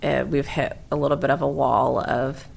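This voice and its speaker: Deep, gravelly woman hosting a chat. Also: flat delivery, moderate pace. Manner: chatty, laughs often, acts out quoted thoughts. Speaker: podcast host. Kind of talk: casual chat.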